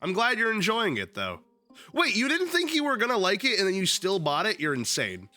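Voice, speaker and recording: A man's voice: high voice, wildly swooping pitch, brisk, pushed and bright, faint music behind. A young man with a sniffly, slightly sick voice, chatting casually at home and reading a book aloud on a stream, joking and swearing freely. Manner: loose, joking, swears freely, lots of fillers. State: sniffly, still a little sick. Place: at home with his dog.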